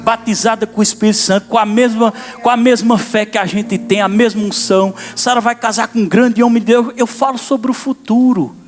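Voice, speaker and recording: A man preaching a lively live sermon in a church and calling out to the congregation. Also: high voice, fairly quick, hardly any pauses. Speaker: pastor. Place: church service. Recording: sermon with instrument music behind.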